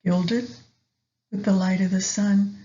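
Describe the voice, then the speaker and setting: A woman leading a guided meditation in a soft, soothing manner with long pauses between phrases. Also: medium pitch, fairly even intonation. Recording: slightly dull lo-fi recording.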